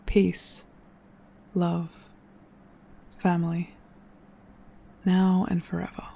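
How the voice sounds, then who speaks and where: An actor playing a reflective storyteller in an audio drama, giving an earnest, measured farewell address to listeners. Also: mid-range voice, monotone, vocal fry, dark tone, full character voice. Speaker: narrator.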